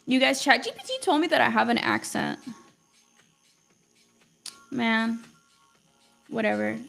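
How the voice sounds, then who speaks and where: A woman's voice: a little high, expressive, measured pace, vocal fry, fairly bright tone, faint music behind. A young woman, an art teacher with English as her second language, chatting casually and rambling with lots of "like" while she draws on a livestream. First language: not English. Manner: chatty, rambling, heavy use of "like". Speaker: art teacher streaming live.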